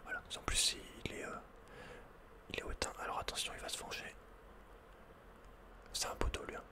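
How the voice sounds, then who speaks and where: A man whispering unhurriedly as he thinks aloud, hosting an ASMR video game playthrough. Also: normal speed. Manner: whispering throughout. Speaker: ASMR gamer host.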